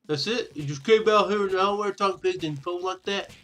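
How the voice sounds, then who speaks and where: A man's voice: sits high, fairly quick, a bit bright, faint music behind, voice pushed up. A man voicing a cocky, mocking street bully in a game, with a jeering, sneering delivery. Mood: taunting.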